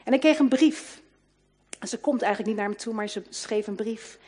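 A woman with a fairly high voice speaks earnestly about faith and forgiveness. She talks with emphasis and reads passages from a book. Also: moderate pace, a little mellow, husky. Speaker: Christian speaker. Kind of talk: devotional talk reading from a book.

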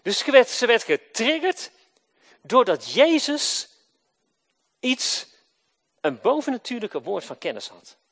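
With wildly swooping pitch, a man preaches slowly and pauses often. His sermon lurches between loud, emphatic lines and quiet, low closings, and he raises questions for his listeners that he answers on his own.

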